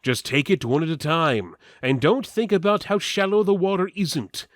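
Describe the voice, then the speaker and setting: A man's voice: a little high, normal speed, no echo, studio quality, pitched above the performer's own voice, close to an everyday voice. A man voicing a stern, commanding warrior leader in a fantasy story, terse and bossy. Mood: firm command.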